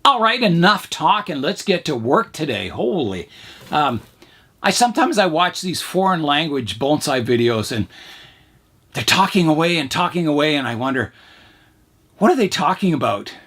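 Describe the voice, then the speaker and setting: A man hosting his bonsai channel, talking casually while he works on a tree, his voice hoarse from talking too much. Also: on the high side, big pitch swings, moderate pace, a bit bright. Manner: rambling, chatty, talks while pruning. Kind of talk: casual narration while working.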